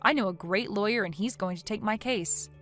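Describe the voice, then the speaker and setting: A woman's voice: mid-range voice, a bit bright, soft background music, close to an everyday voice. A woman voicing a cold, resolute young woman. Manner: cold, measured, firm. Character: calm, resolute young woman injured in an accident.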